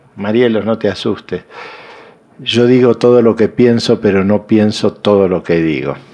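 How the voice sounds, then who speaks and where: A man's fairly low voice at a fairly slow pace, with noticeable background noise. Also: ordinary pitch variation. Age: 70s. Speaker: logotherapist and lecturer. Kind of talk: lecture. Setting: university conference hall with audience.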